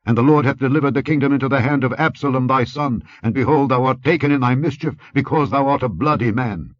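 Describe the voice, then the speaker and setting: Man voicing a loud, bitter, cursing accuser, pitch raised. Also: fast, dry recording, dull audio, natural voice. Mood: furious accusing. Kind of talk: dramatic scripture reading.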